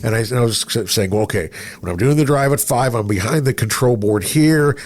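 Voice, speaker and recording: A man's voice: mid-range voice, brisk, darkish tone. A man chatting casually as the host of a radio-style podcast.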